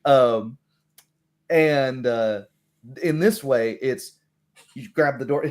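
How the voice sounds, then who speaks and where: A man's voice: mid-range voice, extremely slow. A man chatting casually as a game master, explaining rules and acting out brief examples. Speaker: game master of a tabletop roleplaying game.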